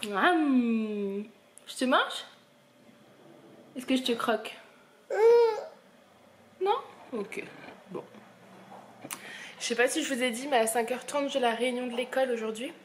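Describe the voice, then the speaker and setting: A woman's voice: fairly high pitch, measured pace, pauses often, a little hiss or hum. A woman, a mother, casually narrating her day at home to the camera in a family vlog.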